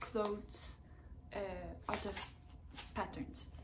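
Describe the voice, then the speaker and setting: A woman is speaking in a room with audible echo. Noticeable background noise can be heard. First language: French. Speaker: sewing vlogger. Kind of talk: casual chat. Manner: halting.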